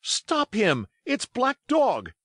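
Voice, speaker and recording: A man plays an eager young cabin boy in a storybook adventure, his voice lifted high. He is earnest and respectful, with very animated intonation. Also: normal speed, no echo, clean studio sound. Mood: alarmed.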